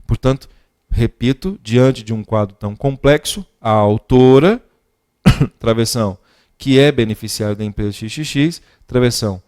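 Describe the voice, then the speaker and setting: A Brazilian man teaching an online grammar lesson for legal writing, at a middle pitch. He talks with emphasis and keeps asking his students questions that he answers himself. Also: moderate pace. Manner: explains with rhetorical questions, animated and emphatic.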